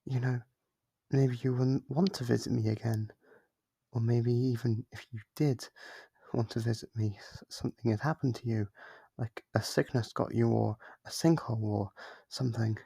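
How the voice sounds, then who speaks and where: Soft-spoken sealed demon voiced by a man, clingy, manipulative, mellow voice, close dry mic. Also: mid-range voice, fairly even intonation, gravelly, breathy edge, dry recording. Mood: wistful. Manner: soft-spoken, wheedling, quick to apologize. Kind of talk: ASMR roleplay audio.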